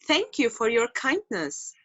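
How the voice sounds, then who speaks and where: A woman's voice: fairly high pitch, very animated, a little slow, a bit bright, slightly rough, dry recording. A woman from Turkey, an English student, reading a practice dialogue carefully over a video call. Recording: dull dry video call audio.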